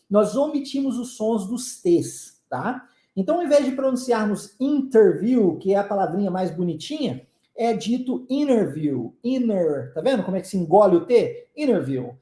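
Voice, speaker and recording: A man's voice: high voice, expressive, moderate pace, warm tone, reverberant. A Brazilian man teaching English in an online lesson, speaking emphatically, repeating key phrases and checking in with his listeners. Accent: Brazilian Portuguese.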